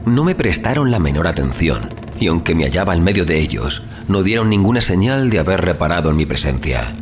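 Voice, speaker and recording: A man narrating a horror audiobook in a measured, solemn, theatrical manner, as a dramatic scripted reading. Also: low voice, very animated, a little hiss or hum. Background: music.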